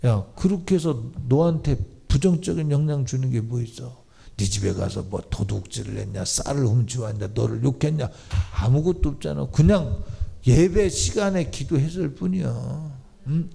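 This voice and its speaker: A man's voice: mid-range voice, animated, moderate pace, creaky, warm tone, slightly rough. A Korean pastor preaching an emphatic sermon in a church, often switching to blunt informal talk to address the congregation. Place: church sanctuary.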